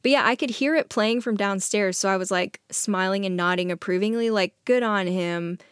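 A woman's voice: medium pitch, moderate pace, smooth, no room sound, clean studio sound. A woman chatting casually, telling anecdotes in an amused, giggly way and quoting dialogue as she goes. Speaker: podcast co-host telling stories.

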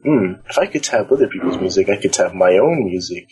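In a rough recording made in a nearly empty library, a young man from California's Los Angeles area chats ramblingly as an interview guest. His voice sits low with a dark tone, lively intonation and a slightly quick pace.

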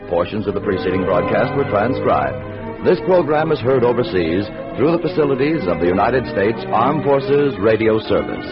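A man's voice: fairly low pitch, sing-song. A man reading formal credits and station announcements as a radio announcer. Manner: formal, deliberate. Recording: dull old radio recording with loud music.

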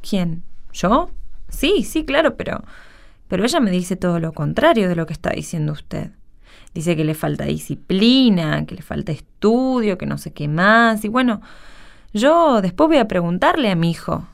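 Actress as a creaky-voiced worried Argentine mother. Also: lowish voice, big pitch swings, moderate pace. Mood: worried, unsure. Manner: hesitant, deferential, apologetic. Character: worried, humble working mother of a high-school student. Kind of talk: radio drama acting.

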